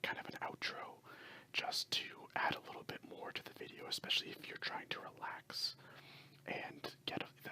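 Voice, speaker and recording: A person speaking in a hushed, breathy whisper throughout, in a soft ASMR storytelling manner for listeners. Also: poor audio. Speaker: ASMR creator and amateur story writer.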